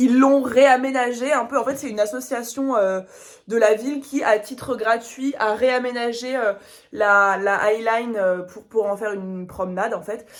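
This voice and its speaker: Her voice sits fairly high with ordinary pitch variation. The woman speaks fairly slowly. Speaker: vlogger. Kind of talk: travel vlog. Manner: halting.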